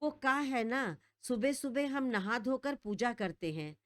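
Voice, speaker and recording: A woman's voice: fairly high pitch, lively intonation, measured pace, a bit bright, dry recording. A woman voicing a flustered, gossipy older village aunt who talks in a rustic, fawning way. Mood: nervous, fawning. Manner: rustic dialect speech, nervous fawning.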